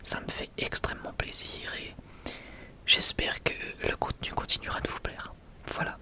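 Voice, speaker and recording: A man's voice: normal speed, pushed and bright. A young adult man whispers in a casual, enthusiastic ASMR style, sometimes hesitating as he presents. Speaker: ASMR video creator presenting a manga collection.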